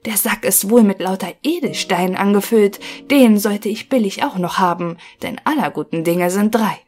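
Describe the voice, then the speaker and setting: A woman's voice: medium pitch, normal speed, darkish tone, faint music behind, lightly acted. Woman voicing a sly greedy innkeeper. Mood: scheming. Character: greedy, cowardly male innkeeper.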